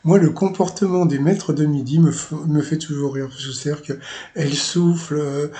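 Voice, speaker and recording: A man's voice: on the high side, steady tone, normal speed, warm tone. A man from Paris, hosting his own channel, casually recapping a TV quiz show in a chatty, rambling way full of filler words and amused asides. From Paris, France. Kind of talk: casual spoken recap commentary.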